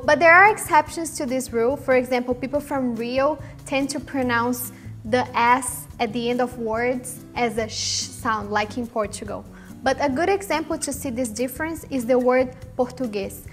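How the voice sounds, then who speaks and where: A Brazilian woman teaches language to camera in a clear, explanatory way. Her voice sits high, and soft music plays faintly behind her. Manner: clear, explanatory, demonstrating pronunciations. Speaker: language teacher and channel host. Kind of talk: scripted lesson to camera.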